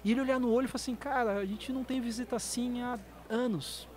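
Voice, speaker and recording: A Brazilian man with a high-pitched voice tells stories as a guest on a podcast. He talks with feeling and comes out in quick bursts, his accent clear throughout. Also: fairly even intonation, a little mellow. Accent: Brazilian Portuguese. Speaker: missionary guest. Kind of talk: podcast conversation.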